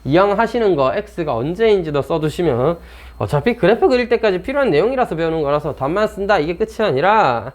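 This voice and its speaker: A male math teacher with a slightly high voice works through problems in a loose, chatty lecture. He talks to himself as he goes and gets blunt, teasing the textbook along the way. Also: animated, a little fast.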